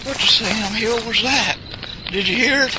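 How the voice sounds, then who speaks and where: A man's voice: high voice, moderate pace, lightly acted. A man playing a sarcastic, hot-headed backwoods fellow with a twangy Southern US accent in an audio drama. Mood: alarmed, annoyed. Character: hot-headed, sarcastic rural Southern good ol' boy. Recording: clear outdoor ambience noise behind voice.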